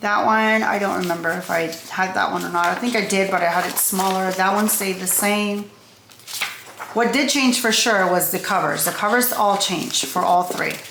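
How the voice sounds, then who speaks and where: Amid noticeable background noise and audible room echo, a woman talks at a moderate pace in a medium pitch. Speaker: self-published novelist. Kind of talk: casual product walkthrough. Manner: animated.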